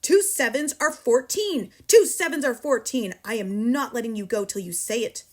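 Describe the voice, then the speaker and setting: A woman's voice: sits high, very animated, brisk, pitched above the performer's own voice. A woman voicing a huge, cruel headmistress who barks, snorts and thunders with sarcasm. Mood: bellowing. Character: huge tyrannical female headmistress, cruel, bullying.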